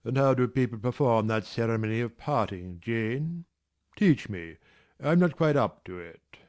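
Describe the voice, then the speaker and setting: A man playing a gruff teasing gentleman. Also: mid-range voice, lively intonation, a little slow, lightly acted. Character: brusque teasing gentleman employer, middle-aged. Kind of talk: dramatized classic novel reading.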